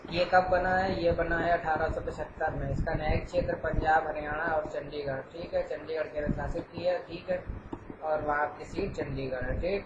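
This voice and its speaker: A man teaches an exam-prep lecture in a rather flat, steady voice, pausing often to check in with his students. His voice bounces around a bare room. Steady hiss and a dull, muffled tone sit under it. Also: on the high side. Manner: explains patiently, with frequent "theek hai" check-ins. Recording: echoey, dull, noisy room.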